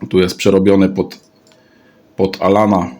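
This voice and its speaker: A man's voice: deep voice, monotone, unhurried, noisy background. A man giving a casual, off-the-cuff product showcase in a rambling way, often repeating his words and phrases. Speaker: radio hobbyist vlogger.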